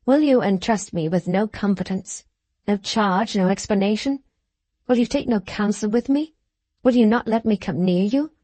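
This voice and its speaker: A woman voicing an earnest grown son who pleads with his mother in a hushed, careful way. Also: mid-range voice, normal speed, no room sound, close to an everyday voice.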